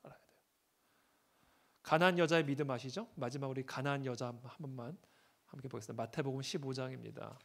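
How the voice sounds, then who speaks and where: Middle-aged male pastor, gravelly texture, swings between near-whispers and loud proclamations. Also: mid-range voice, quick pace, pauses often. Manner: swings from hushed asides to shouted scripture readings. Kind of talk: sermon.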